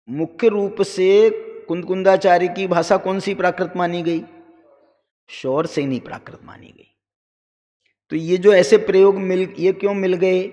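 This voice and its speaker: A man's voice: high-pitched, a little mellow. Man teaching scripture in a reverberant hall. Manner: chants verses slowly, jokes with listeners. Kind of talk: Jain scripture discourse. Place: ashram hall.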